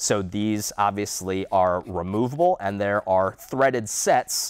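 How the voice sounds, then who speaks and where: A man talks at a fairly slow pace in a fairly low voice, with ordinary pitch variation. The sound is dry with no echo, and the background is quiet. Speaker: product presenter. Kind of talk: casual product explainer to camera. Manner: conversational, with frequent fillers. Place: studio. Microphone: lapel.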